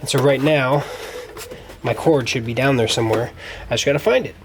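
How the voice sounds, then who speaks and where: A man's voice: mid-range voice, brisk. A man giving a casual, hands-on how-to in an informal, folksy way, talking as he works. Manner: informal, folksy, talks while working. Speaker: DIY car tutorial presenter. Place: garage, working around a vehicle. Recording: clearly noisy garage camera recording.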